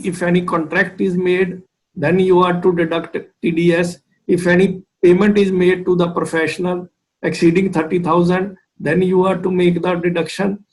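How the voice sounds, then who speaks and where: High-pitched North Indian man explaining rules. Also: poor audio. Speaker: chartered accountant, guest speaker. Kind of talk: explanatory online lecture. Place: online video call.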